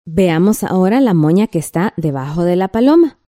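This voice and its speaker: A woman's voice: fairly low pitch, lively intonation, normal speed, mellow. A woman with a Guatemalan accent teaching a textbook lesson, patient and checking in often with the listener.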